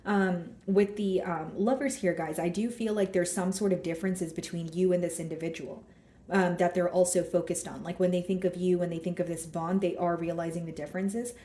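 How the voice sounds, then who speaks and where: A woman giving a casual tarot reading with a hoarse, scratchy throat, thinking aloud as she draws cards and talks straight to her viewers. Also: lowish voice, steady tone, brisk, warm tone, reverberant. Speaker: tarot card reader.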